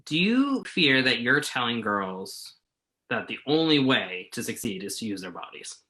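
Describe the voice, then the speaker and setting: A man acting as a magazine journalist in a naturalistic play reading. His bright voice moves around a lot in pitch, and he is blunt, sometimes halting as he softens into apology. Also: very animated, low-quality recording. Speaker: actor in a virtual staged reading.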